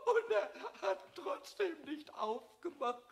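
A man voicing a small, cheeky, childish kobold in a children's radio play, squeaky, boastful and melodramatic. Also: very animated, slow pace, heavily acted. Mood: whiny, panicked. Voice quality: squeaky, screechy.

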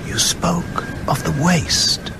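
An actor playing a sinister old male vampire in a radio horror drama, breathy, deliberate and commanding. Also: a little high, music in the background. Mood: sinister, insinuating. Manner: slow, deliberate, menacing, drawn-out phrases.

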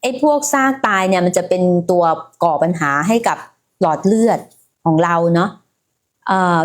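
Her voice sits lowish and moves at an ordinary speed. She's a woman running a laid-back health livestream, talking conversationally, sprinkling in many fillers, and aiming her words right at her audience.

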